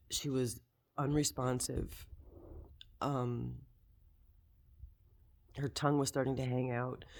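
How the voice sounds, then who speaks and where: A man speaks slowly and haltingly, blubbering and choked up as he gives a personal account. A faint wash of noise sits behind his voice. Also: medium pitch, gravelly. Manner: halting, broken delivery.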